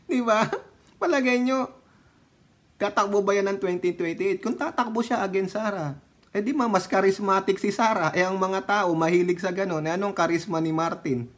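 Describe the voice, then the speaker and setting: Chatty high-voiced Filipino man vlogging. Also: normal speed. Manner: chatty, teasing, laughs often, swings between loud and low asides. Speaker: political vlogger. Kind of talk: casual political commentary.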